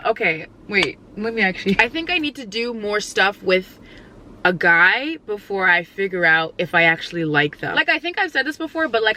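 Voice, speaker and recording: A woman in her twenties chatting casually to camera, answering viewer questions with jokes, lots of "like" and sudden loud outbursts. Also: mid-range voice, slight background noise. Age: 20s. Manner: playful, laughs often, jokey and oversharing; bursts into loud exclamations.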